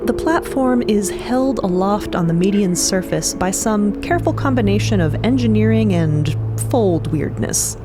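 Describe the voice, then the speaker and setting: A woman's voice: mid-range voice, lively intonation, a little slow, hardly any pauses. A woman narrating a story podcast atmospherically, with wry, conversational asides. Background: music.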